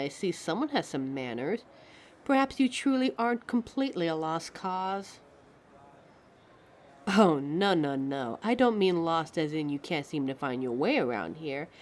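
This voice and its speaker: A woman acts out a vain living mannequin from an audio roleplay, haughty and quick to take offence. Her mid-pitched voice swings widely and theatrically. She talks down to listeners with fussy, condescending flair. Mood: patronising, eager. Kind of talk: scripted roleplay audio monologue.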